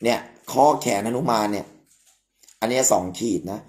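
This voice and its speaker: A man's voice: on the low side, normal speed, darkish tone. A man hosting a live stream, explaining the details of an amulet coin in an emphatic, explanatory way with frequent polite particles. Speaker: amulet expert host.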